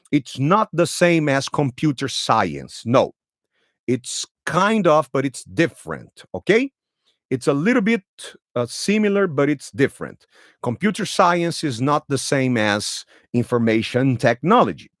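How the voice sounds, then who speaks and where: Slow, lively Brazilian man retelling for learners. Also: medium pitch, dry recording, clean studio sound. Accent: Brazilian Portuguese. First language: Portuguese. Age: 30s. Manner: repeats and rephrases each sentence for learners. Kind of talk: slow storytelling lesson for learners.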